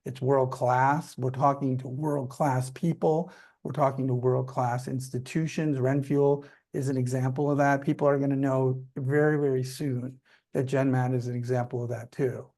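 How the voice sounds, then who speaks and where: A male executive with a medium-pitched voice answers questions on an earnings call. He speaks off the cuff and emphatically, repeating phrases to drive points home and often checking that listeners agree. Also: flat delivery, moderate pace, warm tone. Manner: emphatic, repetitive, seeks agreement. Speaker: company executive.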